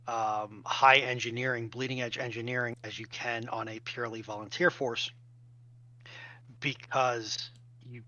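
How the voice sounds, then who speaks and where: Forceful man on slightly dull audio. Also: medium pitch, no room sound. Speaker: panelist. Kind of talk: informal expert discussion. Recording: dull, band-limited audio.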